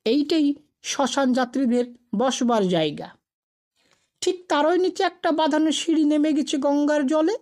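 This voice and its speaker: A woman with a fairly high voice narrates a scripted spooky tale. She reads as a storyteller, telling the ghost story in narrative prose. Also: normal speed, darkish tone.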